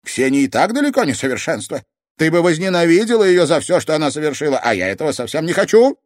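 A stern old grandmother, played by a male audiobook reader, speaks firmly and protectively. Her voice sits higher than his own and moves with lively pitch. The recording is dry and close. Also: fast, no room sound. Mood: pleading, protective. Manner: firm, protective. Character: stern but loving grandmother, older woman.

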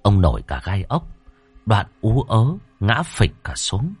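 A man's voice: on the low side, sing-song, a little slow. A man narrating a horror story with a dramatic, suspenseful delivery. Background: faint background music.

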